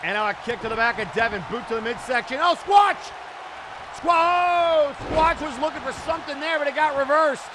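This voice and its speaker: A man giving live play-by-play wrestling commentary with excited, exclamatory calls. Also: very high-pitched, normal speed. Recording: noisy event audio with loud crowd. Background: crowd and arena noise.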